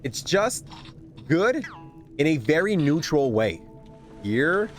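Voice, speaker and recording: A man's voice: fairly high pitch, big pitch swings, slow pace. A man from Quebec with a light Québécois accent, rambling chattily while commenting on his gameplay. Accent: Québécois French. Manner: chatty, rambling, often restarts words. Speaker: gaming streamer. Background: game music.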